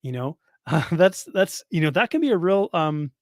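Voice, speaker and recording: A hoarse man hosting his own solo podcast as a nutrition coach, talking casually with lots of fillers and restarts. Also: a little high, sing-song, moderate pace, dry recording, studio quality.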